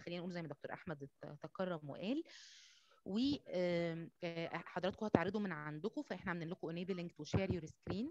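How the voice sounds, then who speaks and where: Rapid Egyptian woman on muffled call audio. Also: fairly low pitch. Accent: Egyptian Arabic. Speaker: academic session co-chair. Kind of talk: polite conversational session moderating. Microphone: online video call.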